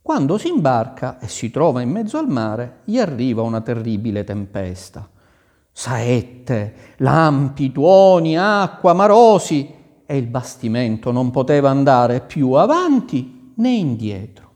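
A man reading a fairy tale aloud as storyteller, with expressive, dramatic narration. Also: medium pitch, measured pace.

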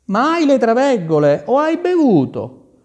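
Man voicing mocking older sisters, storybook, high, scoffing. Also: wildly swooping pitch, a little slow, full character voice. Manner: mocking, incredulous. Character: scornful older sisters, young women. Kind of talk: storybook reading.

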